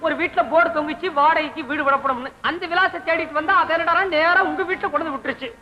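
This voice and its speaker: A fretful, whiny comic bachelor. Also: male voice, extremely high pitch, fast talker, soft background music. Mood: complaining. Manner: wailing, self-pitying comic delivery. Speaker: comic lead in a black-and-white film. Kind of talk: 1960s Tamil film comedy acting. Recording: dull old film soundtrack.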